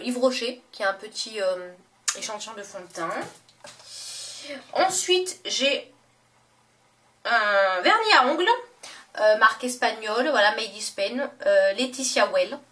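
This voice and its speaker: A woman's voice: fairly high pitch, pushed and bright, recorded from a distance. A young woman talking casually in a makeup haul vlog, chatty and gushing, with many fillers and self-corrections. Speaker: beauty vlogger.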